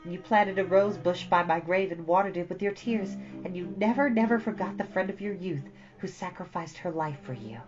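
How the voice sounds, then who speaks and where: A woman's voice: lowish voice, a little fast, hardly any pauses, lo-fi sound, music in the background, voice pushed up, lightly acted. A woman voicing an imaginative, dramatic young girl who talks in breathless run-on stories. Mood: gushing. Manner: breathless, run-on storytelling, theatrical.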